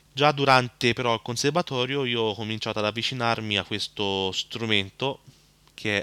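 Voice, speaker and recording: Recorded very cleanly against a silent background, a man with a medium-pitched voice has a bright, sharp tone in a dry, close sound with no echo. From Tuscany, Italy (Arezzo province). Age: 20s. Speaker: baroque oboist. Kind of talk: interview. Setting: radio studio.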